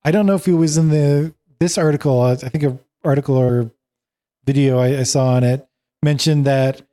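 Man, medium pitch, soft mellow tone; chatty, hesitant podcast panelist. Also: steady tone, normal speed. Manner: chatty, hesitant, many fillers. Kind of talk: casual tech news chat.

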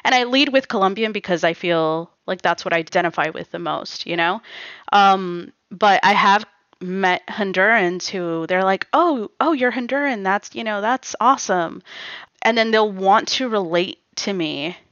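A woman's voice: medium pitch, normal speed, a bit bright, clean tone, no room sound, muffled recording. A woman in a casual interview, talking reflectively about her family and peppering her speech with "you know" and "like.". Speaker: guest. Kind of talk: casual personal conversation.

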